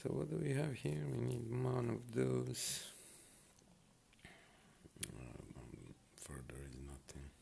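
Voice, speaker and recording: Slow, gravelly man. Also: mid-range voice, animated, mellow, a little hiss or hum. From Bosnia and Herzegovina. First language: Bosnian. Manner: laid-back, musing aloud to himself. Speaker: mobile game streamer. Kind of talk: casual gameplay commentary.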